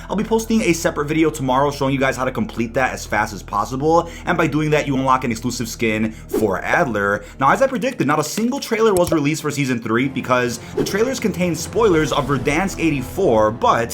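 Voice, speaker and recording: A man's voice: mid-range voice, fairly bright tone. A man hosting a gaming news video with scripted commentary, delivered with emphatic stresses. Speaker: gaming YouTuber, host. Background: background music.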